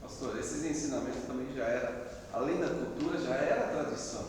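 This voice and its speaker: A man's voice: mid-range voice, brisk, darkish tone. A Brazilian man in a class, asking the pastor questions tentatively and ending phrases with tag questions. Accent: Brazilian Portuguese. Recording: distant, echoey room with faint noise.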